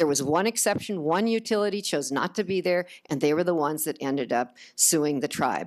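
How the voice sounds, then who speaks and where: A plain, everyday voice moves at a fairly quick pace with hardly any pauses. Its loudness stays very even, its intonation is lively, and the background is quiet. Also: woman, fairly low pitch for a woman. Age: 60s. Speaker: political candidate. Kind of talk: candidate closing statement.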